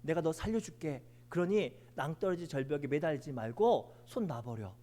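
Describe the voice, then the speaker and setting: A man voicing God as a calm, fatherly figure reassuring a man in a sermon joke. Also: fairly high pitch, moderate pace.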